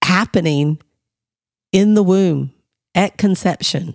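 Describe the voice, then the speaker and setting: A woman's fairly low voice with an American accent, very slow in pace, with ordinary pitch variation and a dry, close sound with no echo. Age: 50s. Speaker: podcast co-host. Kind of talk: casual chat.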